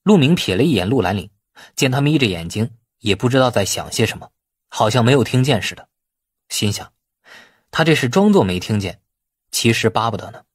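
A man reads a novel aloud as an audiobook narrator. His voice is mid-pitched and slightly husky, with animated intonation. The sound is close and dry, suited to expressive storytelling. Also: fairly quick, dry recording. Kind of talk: scripted narration of a novel with acted dialogue.

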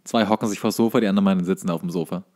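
Fast-talking man podcaster. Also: low voice, steady tone, a little mellow. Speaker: podcast co-host. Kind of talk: casual chat.

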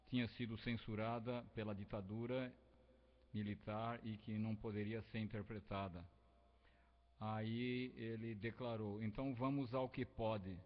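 An older Brazilian man talks at a studio microphone in a small home room, in a rambling, reflective, unhurried monologue. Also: on the low side. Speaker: home radio host and musician. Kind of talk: casual spoken monologue. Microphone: large studio microphone close up. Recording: dull lo-fi webcam recording with loud music.

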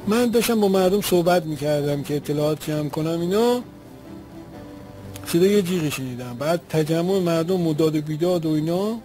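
A man's voice: fairly high pitch, warm tone, soft background music, rough recording. A man giving spoken testimony as an eyewitness, retelling events in an earnest, vivid way.

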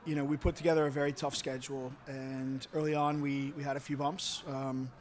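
A middle-aged man, a college soccer head coach, giving measured, halting remarks at a post-match press conference. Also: medium pitch, level tone, darkish tone. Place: indoor press conference room, seated at table. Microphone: handheld-style microphone on table stand.

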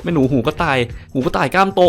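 A man giving playful, animated game commentary, talking to his viewers with coarse slang. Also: on the high side, quick pace, creaky. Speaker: gaming YouTuber. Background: background music.

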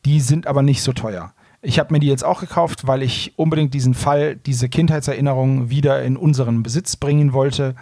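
A man's voice: mid-range voice, fairly even intonation, a little fast, dark tone, no room sound, clean studio sound. A man hosting a podcast, chatting casually about audio dramas. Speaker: podcast host.

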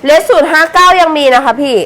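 Thai female live-stream seller, forceful bright high voice, promotional and chatty, politely coaxing customers. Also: fast. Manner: sweet polite particles, addresses customers as older sister and mother. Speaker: live-stream seller of secondhand clothing bales.

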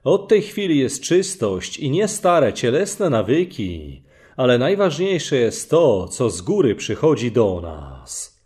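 A man preaching a sermon slowly and emphatically, reading Bible passages aloud as he goes. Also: mid-range voice, very animated, darkish tone.

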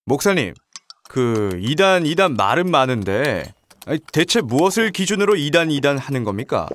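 A man's voice: a little high, sing-song, normal speed, a bit bright. An actor playing a puzzled man who questions his pastor in an exasperated way, in an audio drama.

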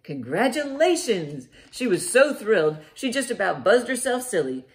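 Middle-aged female storytime host, very animated intonation, child-directed delivery, roomy living-room sound. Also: fairly high pitch. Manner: expressive, deliberate, child-directed. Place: living room, indoors by a fireplace.

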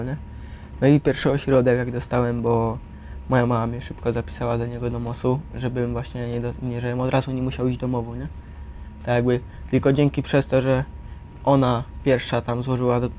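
A man's voice: mid-range voice, darkish tone, a little hiss or hum. A teenage man recounting his experiences casually and colloquially, often tagging his phrases with a questioning word. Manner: colloquial, frequent question tags. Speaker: resident of youth correctional centre. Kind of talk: casual personal account.

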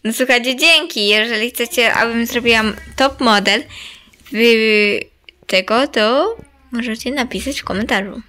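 Girl gamer chatting to her viewers, high voice, bright, repeats stuff a lot. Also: unhurried. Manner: chatty, repeats herself, talks straight to viewers. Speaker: gaming channel host. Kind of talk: casual gameplay commentary.

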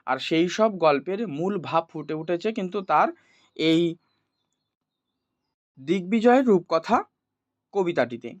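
A man teaching in an explanatory, didactic way, as if to school students, checking that they follow. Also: sits high. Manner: didactic, checks understanding with short questions. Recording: roomy echo, dull lo-fi sound.

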